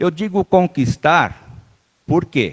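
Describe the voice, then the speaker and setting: The recording is dry and close with no echo. A man speaks very slowly with lively intonation. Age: 70s. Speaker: spiritist lecturer. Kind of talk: religious talk. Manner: halting.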